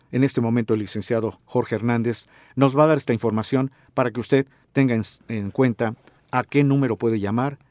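A middle-aged man with a Mexican accent hosting a health talk show as a doctor, explaining calmly and asking the listener questions. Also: mid-range voice, no room sound. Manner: didactic, addresses listener directly with questions. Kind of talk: informative radio talk.

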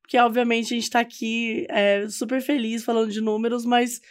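A woman with a Brazilian Portuguese accent co-hosts a podcast in lively, playful conversation. Her voice is fairly high, and she grows excited as she shares news. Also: moderate pace. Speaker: podcast co-host. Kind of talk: casual chat.

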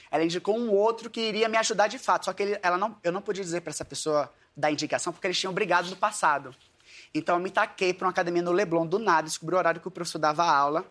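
A man from Paraíba with a Northeastern Brazilian accent, telling a comic story to an audience and acting out the voices of the people in it. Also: high-pitched. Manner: animated, acts out his own dialogue. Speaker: guest storyteller, dance teacher. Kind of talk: comedic storytelling before an audience.

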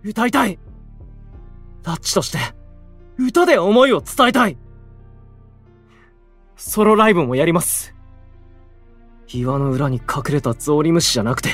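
A hot-headed young male idol in a radio drama, with a husky, swooping voice. He speaks his mind brashly and grumbles freely, over faint music. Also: high-pitched, sing-song, moderate pace, pauses often. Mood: fired up. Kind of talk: Japanese voice drama acting.

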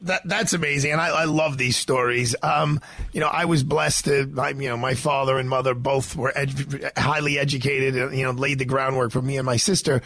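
A man's voice: mid-range voice, steady tone, fairly quick, fairly bright tone. A man hosting a radio talk show, chatty and joking, often restarting his sentences. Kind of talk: casual interview.

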